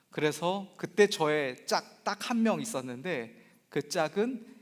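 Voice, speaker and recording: Speaking at a very slow pace, a man with a high voice swings his pitch very widely. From South Korea, Busan then Seoul. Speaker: pastor. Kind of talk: sermon.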